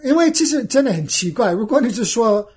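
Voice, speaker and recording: Husky American woman speaking Mandarin. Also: fairly high pitch, very animated, brisk, a little mellow. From United States. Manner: mixes English into her Mandarin. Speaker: podcast co-host. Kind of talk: casual chat.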